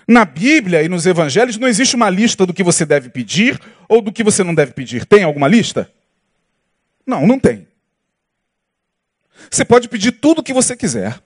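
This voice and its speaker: A male Brazilian pastor preaches to his congregation in a high, very expressive voice that leaps up and down. He keeps throwing rhetorical questions at his listeners. The recording is dry and close, with little room sound. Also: fairly quick, long pauses, dry recording. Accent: Brazilian Portuguese. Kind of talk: sermon. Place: church service with congregation.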